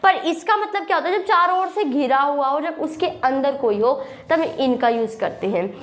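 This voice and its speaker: A young woman, teaching English grammar in a classroom style with a sore throat, repeating points and reading example sentences slowly. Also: sits high, lively intonation. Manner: repetitive, checks understanding with "thik hai". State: sore throat with a slight cough. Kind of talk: classroom lesson, explaining with examples.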